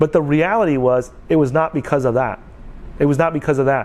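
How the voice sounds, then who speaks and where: This man has an ordinary speaking voice with an American accent, fairly high in pitch. He moves at a fairly quick pace with ordinary pitch variation. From Vietnam, raised in the US. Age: 40s. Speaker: YouTuber. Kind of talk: vlog monologue. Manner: casual, repetitive filler.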